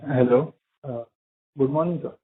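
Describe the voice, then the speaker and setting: A man's voice: mid-range voice, normal speed, a little hiss or hum. Man asking questions over a tinny phone line. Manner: polite, hesitant, many "uh" fillers. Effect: speaking over a phone line. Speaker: individual investor caller. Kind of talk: asking questions on an earnings call.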